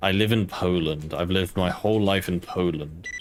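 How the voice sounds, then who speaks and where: Speaking with a British accent, a man has a very deep, low pitch and ordinary pitch variation at a fairly slow pace. Noticeable background noise runs under his voice. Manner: hesitant, repeats words.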